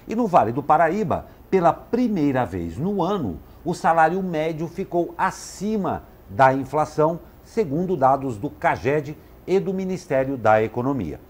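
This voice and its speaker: A man's voice: fairly high pitch, a little mellow. A man presenting a regional news program, reading items and making casual asides to viewers. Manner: chatty, informal asides to viewers. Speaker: news anchor.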